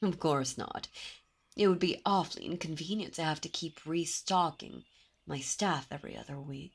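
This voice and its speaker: A woman's voice: low voice, normal speed, vocal fry, slightly rough, heavily acted. A woman voicing a commanding, seductive demon princess in an ASMR roleplay, speaking in a teasing, imperious and intimate way. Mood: amused.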